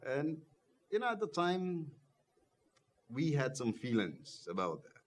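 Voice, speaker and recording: A young Guyanese-born political party coordinator answers interview questions as a TV guest, earnest and growing passionate, saying "you know" often. His voice is a little high, with huge pitch swings and a slow pace.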